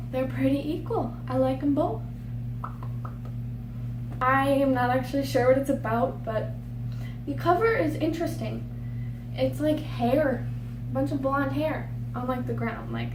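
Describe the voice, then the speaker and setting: A young woman talking casually to camera about books she wants to read, chatty and rambling, often stumbling over names. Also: high voice. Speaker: book vlogger. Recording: roomy echo, distant mic, noticeable hum.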